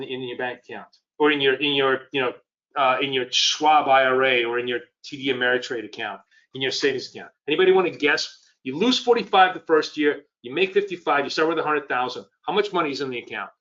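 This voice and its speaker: A trading educator with a cold and a scratchy voice runs a live webinar, speaking in a fairly high, bright, forceful tone on a recording with the highs cut off. His delivery rambles conversationally as he quizzes viewers.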